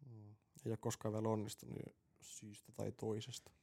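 A man's voice: fairly low pitch, completely flat delivery, vocal fry, warm tone. A man co-hosting a casual podcast, telling rambling stories full of swearing and laughing at his own jokes. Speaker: podcast co-host. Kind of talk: casual crude banter.

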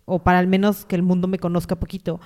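A woman co-hosting a podcast in casual chat, reacting with quick gasps and playful comments. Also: lowish voice, level tone, darkish tone. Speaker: podcast co-host.

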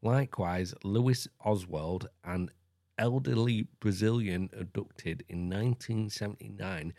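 A man's voice: lowish voice, measured pace, warm tone, no echo, clean studio sound. A man hosting a podcast, reading an account aloud and breaking in with blunt, swearing asides. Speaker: podcast host. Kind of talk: casual reading with commentary.

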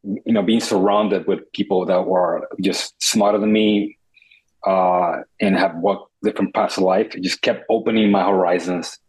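A man's voice: deep voice, fairly even intonation, normal speed, slightly rough, low-quality recording. A man from the Dominican Republic, a startup founder telling his story in an interview, earnest and reflective with many restarts.

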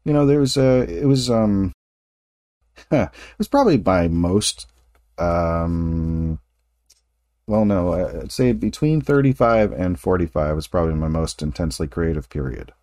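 A man's voice: deep voice, expressive, unhurried, mellow, dry recording, clean studio sound. A man in his late forties hosting a casual interview, talking in a rambling, self-correcting way with frequent laughs. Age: 40s. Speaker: podcast host.

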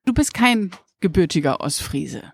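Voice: mid-range voice, sing-song, moderate pace, creaky, slightly rough, dry recording. An enthusiastic interviewer asks a beach bar owner friendly questions. The voice sits in a middle register. The recording is dry and close. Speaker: interviewer, reporter.

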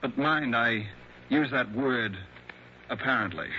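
A man's voice: mid-range voice, slow, close to an everyday voice. An actor playing a jovial, chummy male insurance executive with knowing asides, in a 1960s radio drama. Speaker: insurance company man. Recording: dull old radio broadcast with faint hiss.

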